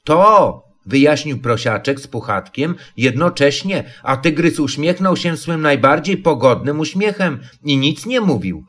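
A man narrating a children's storybook in a calm, measured way. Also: a little high. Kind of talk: storybook reading.

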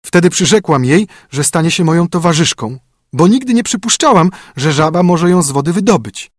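A man voicing a spoiled young princess in a high, whiny, breathless way. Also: expressive, a little fast, no room sound, studio quality. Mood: fretful.

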